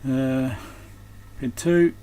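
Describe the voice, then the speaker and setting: A man's voice: mid-range voice, very slow, dark tone. A man giving casual, unscripted hands-on repair commentary, thinking aloud as he works. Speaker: host of an electronics repair channel. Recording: clearly noisy background.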